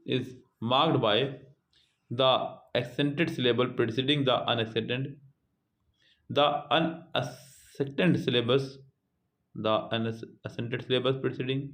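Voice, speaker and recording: A male teacher with a mid-pitched voice works through exam questions for his students. He reads each question aloud slowly, then explains the answer in a conversational tone and keeps calling out to the class. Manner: keeps addressing students as "guys" and "children". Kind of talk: exam prep lesson, reading questions aloud.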